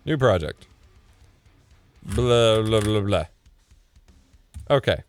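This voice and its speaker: A man in his thirties live-streaming from his home setup as he edits video, thinking out loud and muttering asides under his breath. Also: on the low side, animated, drawn-out words. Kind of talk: casual live-stream commentary while video editing. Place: home streaming room, indoors. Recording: dry close mic with faint music.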